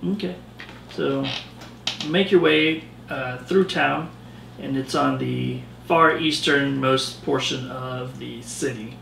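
A man's voice: mid-range voice, takes it slowly, vocal fry, fairly bright tone, slight background noise. A man narrating a tabletop game as game master, describing scenes loosely with lots of fillers, in a roomy, distant recording.

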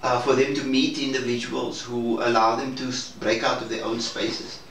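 A man speaking in a measured, hesitant and formal way in a reflective debrief conversation. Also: mid-range voice, level tone, fairly bright tone. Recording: roomy, distant mic, faint noise.

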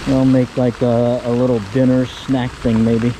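Man, casual fishing vlog, relaxed chatter, action camera outdoors, steady outdoor noise, mid-pitched voice. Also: unhurried. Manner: relaxed, chuckling, explaining gear as he fishes. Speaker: fishing vlogger. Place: outdoors at a park pond on a pier.

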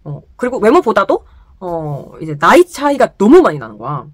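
A young woman telling a personal story to the camera in casual chat, animated and laughing often, in a small indoor room. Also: mid-range voice, normal speed, no room sound, studio quality. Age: young adult. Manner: animated, laughs often, gestures while talking. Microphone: camera close in front, sitting.

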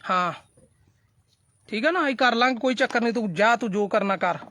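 A man's voice: high-pitched, a little fast, pushed and bright. A man ranting defiantly to his viewers in a casual live video, repeating himself and brushing off threats. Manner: defiant, repetitive, addresses viewers as brothers. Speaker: social media live streamer. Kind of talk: heated casual rant to viewers.

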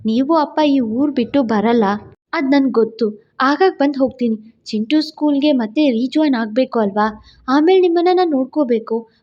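A woman's voice: high voice, normal speed, lo-fi sound. A woman in her twenties voicing a weary, determined young single mother in a storybook drama, earnest and pleading. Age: 20s.

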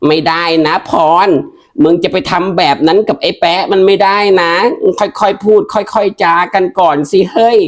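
A woman voicing a coarse, blunt older village auntie who scolds and lectures in rough familiar speech, in a comedy sketch. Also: mid-range voice, fairly even intonation, moderate pace, pitched below the performer's own voice, natural voice. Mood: lecturing.

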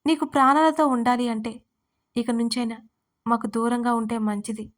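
A woman's voice: fairly high pitch, fairly even intonation, normal speed, lightly acted. A woman voicing a married young woman who speaks bluntly, coldly and with sarcasm. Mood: scornful.

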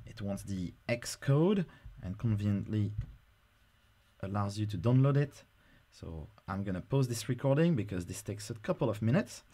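Brief: male presenter, low mellow voice, relaxed screen-recording tutorial delivery with filler words. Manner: casual, explanatory, frequent "uh" fillers.

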